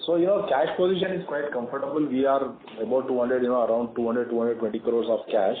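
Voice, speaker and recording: Indian-accented executive on an echoey phone line. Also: male voice, mid-range voice, steady tone, fast. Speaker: company executive answering investor questions. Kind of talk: earnings call answers. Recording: phone-like conference line, echoey, clearly noisy.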